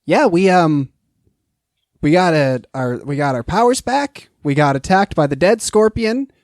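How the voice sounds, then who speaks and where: A player at a tabletop game, talking casually with a lively, swinging pitch. The recording is close and dry, without room echo. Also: measured pace.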